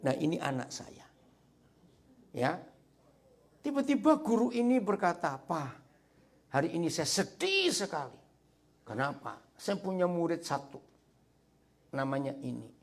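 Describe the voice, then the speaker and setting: Gravelly, animated male preacher. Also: sits high. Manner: animated storytelling with asides to the congregation. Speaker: pastor. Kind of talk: sermon. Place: church sanctuary.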